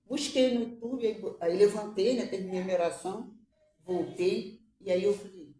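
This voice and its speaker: Mother, emotional faith testimony, halting and tearful, mellow voice, echoey room, far from the mic. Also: mid-range voice, fairly even intonation. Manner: halting, repeats words, tearful at times.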